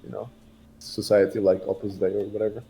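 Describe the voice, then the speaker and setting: Mellow, halting man in casual conversation. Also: lowish voice, level tone, gravelly, slight background noise, low-quality recording. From Portugal. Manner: halting, rambling, blunt. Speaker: guest. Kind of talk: casual interview on a livestream.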